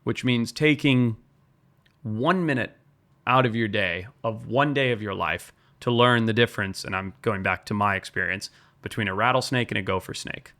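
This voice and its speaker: Man from zimbabwe, gravelly voice, wildlife biologist, earnest storytelling. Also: lowish voice, moderate pace, sharp tone. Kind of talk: podcast interview talk.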